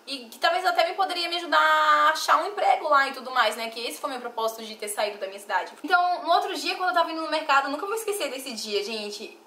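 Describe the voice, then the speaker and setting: Bright, quick young Bahian woman. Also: high-pitched, animated, roomy sound, a little hiss or hum. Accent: softened Bahian Portuguese. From Bahia, Brazil. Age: young adult. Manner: emotional, confiding, talks straight to viewers. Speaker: vlogger. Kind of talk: personal life story vlog.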